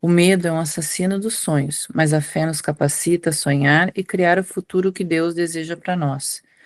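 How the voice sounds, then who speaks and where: A woman with a southern Brazilian accent, fairly low-pitched, at a moderate pace with ordinary pitch variation, in a dry, close sound with no echo and a quiet background. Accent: gaúcho accent (southern Brazil). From southern Brazil, Porto Alegre. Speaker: devotional participant. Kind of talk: reading aloud.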